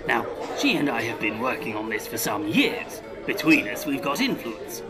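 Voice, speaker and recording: Actor as scheming English George Orwell, music behind. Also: male voice, medium pitch, big pitch swings, moderate pace, over a noisy crowd, close to an everyday voice. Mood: persuasive. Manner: articulate, persuasive, pompous. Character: George Orwell, scheming genteel English writer turned dictator. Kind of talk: comedy audio drama acting.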